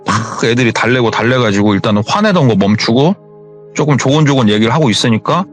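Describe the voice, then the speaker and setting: Man, chatty ghost story narrator, lively pitch, faint music underneath. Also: fast talker. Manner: colloquial, retells with reported speech. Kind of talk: casual spoken storytelling.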